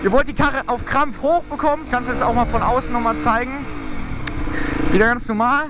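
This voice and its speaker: A man's voice: very high voice, steady tone, brisk. A young man giving a casual, encouraging riding tutorial as a motovlogger, speaking from inside his helmet while he rides. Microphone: mic inside motorcycle helmet. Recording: helmet mic with clear engine and road noise.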